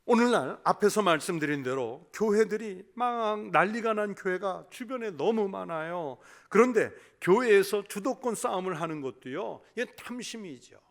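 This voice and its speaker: A male pastor preaching a sermon, putting rhetorical questions to the congregation and dropping to a hush for emphasis. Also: high-pitched, expressive, moderate pace, gravelly, hardly any pauses.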